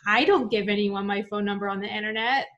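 A woman's voice: medium pitch, fairly even intonation, fast talker, a bit bright, dull audio. A woman speaking casually in an interview about her company's sign-up choices, chatty and full of fillers. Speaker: product team guest at the reviewed company.

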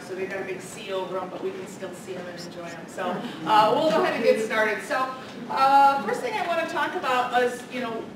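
Loud woman lecturing in an echoey room. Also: mid-range voice. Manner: loud, energetic, chatty. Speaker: political science professor. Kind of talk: public lecture. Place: large carpeted meeting room, indoors. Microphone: room camera from the back. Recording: echoey room from far off, noisy.

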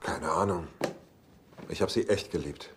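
An actor in a German sitcom dub playing a heartbroken, impulsive womanizer with a halting, dryly flippant way of talking. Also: deep voice, noisy background. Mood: wistful. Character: heartbroken, wisecracking womanizing bachelor, impulsive and self-pitying. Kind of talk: German-dubbed sitcom acting.

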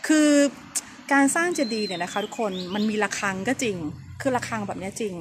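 Her medium-pitched voice has lively intonation and moves fairly quickly, though she keeps it soft. A travel vlogger, she chats casually while touring a temple outside under an overcast sky, and the recording is noisy.

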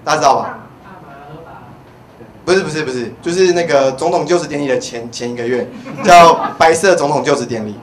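A man's voice: fairly high pitch, brisk. A young man with a Taiwanese accent doing open-mic stand-up in a rambling, stammering way that repeats phrases. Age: young adult. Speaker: stand-up comedian. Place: small indoor comedy club stage. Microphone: handheld microphone. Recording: roomy live venue, background noise.

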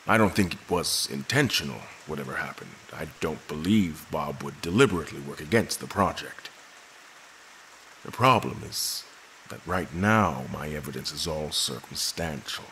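An actor playing a grave, courteous gentleman admiral in an audio drama, speaking formally and with measured care. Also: rumbling low, expressive, a little hiss or hum, heavily acted, poor audio. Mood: grave, careful.

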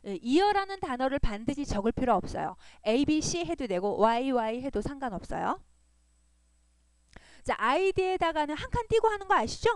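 A woman's voice: high voice, sing-song, normal speed, dry recording. A woman teaching a web design lesson over a screen recording, patient and repetitive, often checking in with her listeners. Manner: patient, repeats points and checks in with "그죠?". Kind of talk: screen-recorded coding tutorial.

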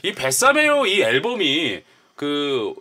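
A man hosts a casual radio show with highly animated, swooping intonation. His voice sits a little high. Other voices chatter and laugh loudly behind him in the studio. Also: takes it slowly. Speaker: radio host. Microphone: studio microphone with headset.

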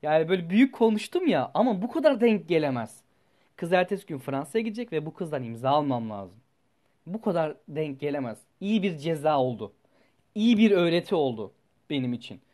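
Animated, foul-mouthed young man telling a story. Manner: animated, blunt and profane, with sudden jumps in pitch and loudness. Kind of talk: casual storytelling vlog.

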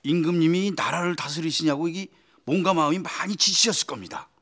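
A man playing a cheeky underling in a historical sitcom, eagerly pitching silly ideas. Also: brisk, fairly bright tone.

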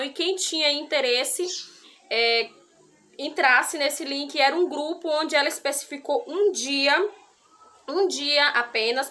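Chatty high-voiced woman vlogging outdoors. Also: bright, forceful tone, slight background noise. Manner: chatty, explains step by step, many fillers. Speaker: crochet vlogger. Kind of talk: casual talk to camera. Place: outdoor yard by a brick wall.

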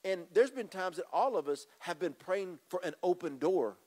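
A middle-aged man delivers a sermon into a handheld microphone, his voice sitting a little higher than most men's. He talks straight to the congregation, pressing his points by repeating phrases as he moves about the stage. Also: animated, moderate pace, darkish tone. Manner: emphatic, repeats phrases, addresses congregation directly. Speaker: pastor. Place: church stage with drum kit. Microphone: handheld mic.

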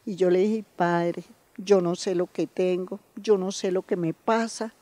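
An older woman recounts a personal testimony with lively storytelling, slipping into the voices of the people she quotes. Her voice is mellow and warm, and the recording is dry and close. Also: lowish voice, a little slow, no echo. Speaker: community member giving testimony.

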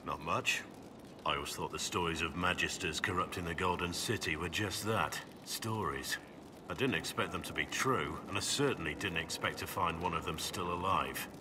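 Rugged male warrior for a fantasy game, played by an actor: deep, dry, guarded, over clear ambient noise. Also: moderate pace, lightly acted. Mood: guarded, thoughtful. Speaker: game character. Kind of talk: video game dialogue acting.

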